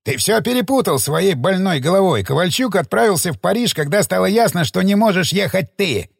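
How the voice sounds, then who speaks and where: A man voicing a furious, blustering male hospital boss who shouts threats in a raised voice. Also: lively intonation, a little fast, vocal fry, husky, no room sound, clean studio sound, heavily acted. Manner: shouting, threatening, higher-pitched.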